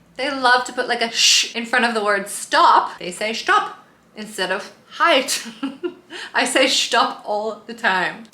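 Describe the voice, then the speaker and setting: Over noticeable background noise and audible room echo, a woman with a fairly high pitch speaks at a fairly slow pace with lively intonation. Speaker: YouTuber and parent living abroad. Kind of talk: casual vlog explainer. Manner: animated.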